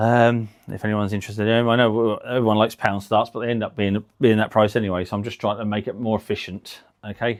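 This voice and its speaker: In a very clean recording with a silent background, a man with a British accent speaks very fast in a fairly low pitch and a monotone, flat intonation. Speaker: live stream auction seller. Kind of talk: live sales stream. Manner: hesitant, many fillers and repeats.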